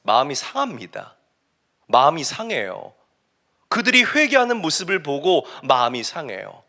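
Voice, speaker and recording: A man's voice: fairly high pitch, huge pitch swings, moderate pace, creaky, bright, forceful tone. A man preaching a sermon, telling a story emphatically and asking the congregation rhetorical questions. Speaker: pastor.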